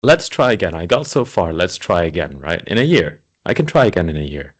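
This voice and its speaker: A man raised in Switzerland, a guest in an interview, telling his story in a relaxed and friendly way. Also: sits low, a little fast, slightly rough. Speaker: interview guest, speaker agent. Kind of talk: conversational interview.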